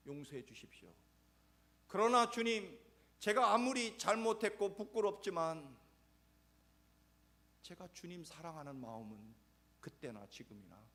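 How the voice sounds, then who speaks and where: A man's voice: mid-range voice, big-room sound, lightly acted. A male pastor voicing Peter as an ashamed, pleading disciple, raising his voice earnestly in a sermon.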